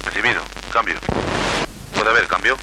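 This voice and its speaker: Fields: Sex: man. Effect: police radio. Role: commander. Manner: measured, calm orders. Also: on the low side. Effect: police radio transmission. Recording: noisy archival police radio.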